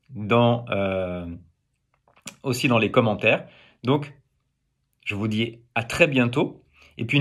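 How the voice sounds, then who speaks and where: A man's voice: mid-range voice, a bit bright. A man from France teaching pronunciation in a video lesson, explaining patiently to viewers, with frequent hesitations. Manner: speaks to viewers with polite plural address.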